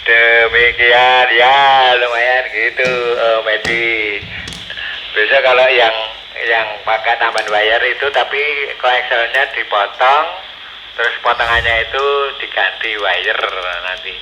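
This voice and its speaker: A man's voice: mid-range voice, steady tone, takes it slowly. A man talking on a two-way radio, ending each turn in radio protocol. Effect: voice heard through a handheld two-way radio speaker. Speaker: amateur radio operator. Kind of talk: radio exchange using call signs. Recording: noisy two-way radio audio, heard from a distance.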